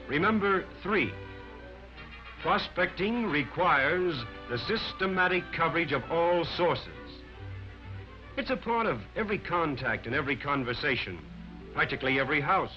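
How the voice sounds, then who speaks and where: 1940s training-film male narrator, animated. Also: on the high side. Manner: emphatic, lecturing, counting off points. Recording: dull lo-fi 1940s film soundtrack.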